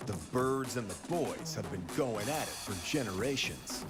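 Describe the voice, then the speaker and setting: A man's voice: medium pitch, expressive, normal speed, loud music behind the voice. A man narrating a dramatic sports promo as announcer.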